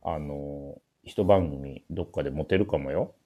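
A man's voice: extremely low pitch, unhurried, warm tone. A man with a Kansai accent hosting a casual chat show, teasing and quipping back. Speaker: radio show host.

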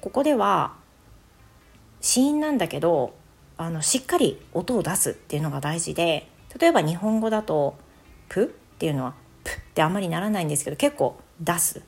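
A woman teaching English phonics in a relaxed, chatty podcast lesson, modeling each sound slowly and emphatically. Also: lowish voice, creaky, husky. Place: home recording for an audio app.

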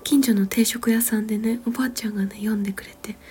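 A mother in her thirties whispering a long, rambling story, gentle and full of small fillers and soft laughs. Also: a little high, fairly even intonation, fast talker.

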